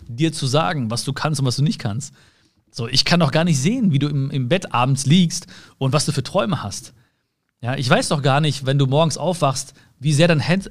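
A man speaking directly to the listener in a motivational monologue, earnest, with repeated phrases, slowing right down on some words and rushing through others. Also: a little high. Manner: earnest, swings between soft slow words and quick asides.

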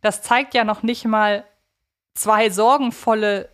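A woman's voice: mid-range voice, fairly even intonation, takes it slowly. A woman in her thirties talking as a podcast co-host, thinking aloud in long, winding, reflective sentences. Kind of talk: conversational podcast discussion.

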